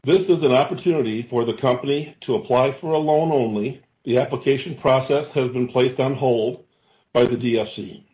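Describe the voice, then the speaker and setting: A man, a company chief executive, reads a scripted earnings call presentation in a formal, measured way with deliberate phrase breaks. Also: mid-range voice. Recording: dull, echoey conference call audio.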